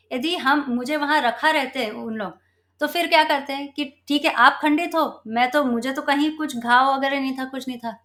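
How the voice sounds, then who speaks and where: A woman telling a parable with a moral in a casual, conversational way, pausing often with fillers and correcting herself. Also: sits high, a bit bright. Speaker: spiritual storyteller.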